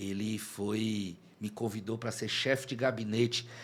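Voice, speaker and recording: A man speaks in an unremarkable speaking voice, his pitch fairly low and his intonation fairly even. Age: 30s. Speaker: politician, state labour secretary. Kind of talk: interview.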